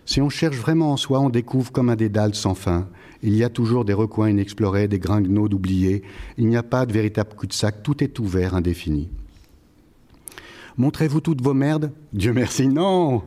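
A man reading aloud a wry prose piece to an audience, in a measured way. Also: fairly low pitch, mellow. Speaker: author reading and answering.

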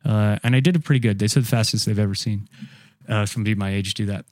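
A man co-hosting a comedy podcast, telling absurd bits in a deadpan way and teasing his friends in casual banter. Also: lowish voice, fast talker, dry recording. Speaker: comedian co-host.

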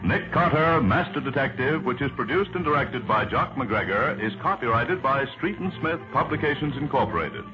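Old-time american radio announcer guy, very animated pitch, music behind, muffled recording. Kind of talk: 1940s radio announcing, scripted.

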